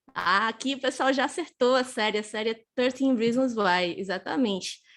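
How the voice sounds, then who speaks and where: A woman with a Pernambuco accent speaks at a fairly high pitch with ordinary pitch variation. Her loudness is very even, and the background is quiet. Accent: Pernambuco accent, noticeable. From Brazil, Pernambuco. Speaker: career speaker, recruiter. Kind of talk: online career talk. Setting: livestream. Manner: fast.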